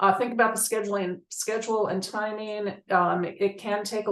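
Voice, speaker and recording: A woman at a moderate pace. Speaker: UX researcher. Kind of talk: webinar presentation. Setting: online webinar. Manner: hesitant, many fillers.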